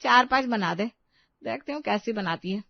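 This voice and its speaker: A strict middle-aged mother-in-law, played by a woman in a cartoon story. She scolds and lays down rules in a fairly high voice. The recording is dry and slightly dull. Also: expressive, normal speed, creaky, no echo. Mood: scolding. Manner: scolding, commanding. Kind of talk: Hindi cartoon story voice acting.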